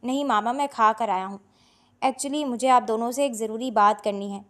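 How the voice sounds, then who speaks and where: A woman's voice: a little high, close to an everyday voice. A woman voicing an eager young man in love who blurts things out in one breath, in an audio story. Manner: breathless, excited.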